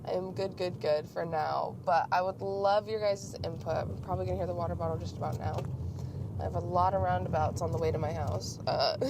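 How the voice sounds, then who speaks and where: A woman's voice: lowish voice, brisk. A young woman hosting a podcast in a casual, rambling, self-deprecating solo chat while she drives. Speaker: podcast host. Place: inside a moving car. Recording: clear car and road noise behind voice. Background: vehicle hum.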